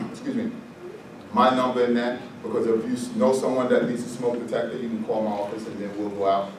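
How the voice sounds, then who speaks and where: A man from the U.S. Virgin Islands, a fire department presenter, giving a chatty, joking safety talk to a seated group in a meeting room. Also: medium pitch. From U.S. Virgin Islands (St. Croix). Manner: joking, chatty, loose and conversational. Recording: echoey room, mic far off, noisy background.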